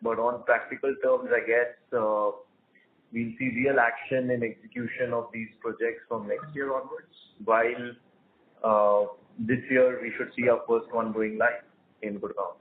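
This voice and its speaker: A male company executive, explaining plans on an earnings call in a measured way. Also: medium pitch, little pitch movement, a little hiss or hum. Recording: narrow phone conference line.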